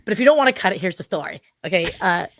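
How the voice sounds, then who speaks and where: Podcast guest, woman, 40s; lowish voice, dry close sound, chatty and animated, heavy on fillers. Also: very fast, dry recording. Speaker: podcast guest, marketing consultant. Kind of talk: casual interview chat.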